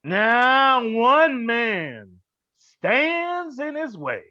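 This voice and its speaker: Casting: male actor as cocky wrestling prince, slow theatrical taunts with a bright edge, lo-fi recording. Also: very high-pitched, sing-song, no echo, exaggerated voice. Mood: grand. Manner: taunting, boastful.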